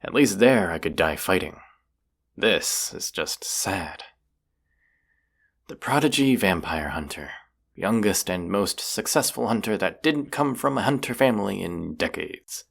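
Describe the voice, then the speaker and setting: Man acting deep, gravelly, sarcastic young vampire hunter. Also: lively intonation, unhurried, a bit bright, full character voice. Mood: resigned, self-mocking. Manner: teasing, sarcastic, casual slangy delivery. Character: young cocky male vampire hunter, sarcastic and self-deprecating. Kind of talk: roleplay audio acting.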